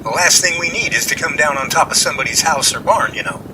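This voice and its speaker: A man's voice: a little high, lively intonation, fast, noisy background, natural voice. A man playing an impatient, wisecracking, folksy passenger in an amateur radio drama, complaining with sarcasm. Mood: worried.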